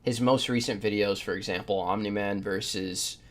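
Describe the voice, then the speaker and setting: A man's voice: fairly low pitch, fairly even intonation, moderate pace. A man co-hosting a podcast, talking casually in a discussion. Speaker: podcast co-host.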